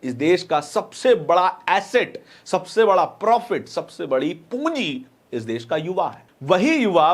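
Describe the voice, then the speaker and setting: A man's voice: a little high, fairly bright tone. A man presenting political news commentary, explaining things emphatically and repeating phrases for stress.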